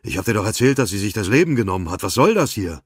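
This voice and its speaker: A man's voice: lowish voice, sing-song, fast talker, breathy edge, dry recording, clean studio sound. A man reading an audiobook, voicing a cornered man who answers defensively and sarcastically.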